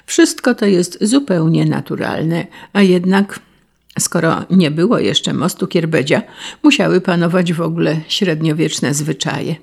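A woman reads a story aloud in a measured, wry way. Her voice sits low and carries a gravelly fry. She keeps a calm storytelling pace. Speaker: narrator. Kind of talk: scripted story reading.

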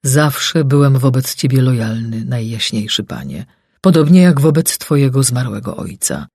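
A man voicing a steadfast, dignified male servant, speaking solemnly and measured, with a husky voice. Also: mid-range voice, expressive, a little mellow, no room sound, studio quality. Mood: pleading.

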